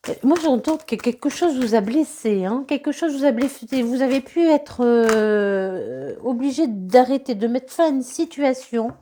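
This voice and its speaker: A woman's voice: a little high, lively intonation, measured pace, mellow, a little hiss or hum. Woman with a cold, reading tarot. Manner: hesitant, many fillers and repetitions. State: has a cold. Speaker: tarot reader.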